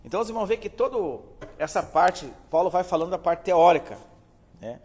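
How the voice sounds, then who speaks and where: A man's voice: high-pitched, sing-song, fairly quick, darkish tone. A man, a pastor teaching a theology class, speaking earnestly and often checking in with his listeners as brothers. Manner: earnest, addresses listeners as brothers, many filler "né". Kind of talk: classroom Bible lecture. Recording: reverberant hall.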